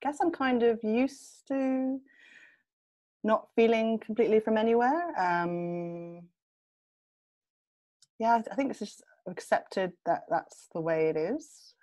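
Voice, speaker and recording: A young woman from England talking as a podcast guest in a relaxed interview, hesitating with ums and restarts and laughing often. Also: mid-range voice, muffled recording.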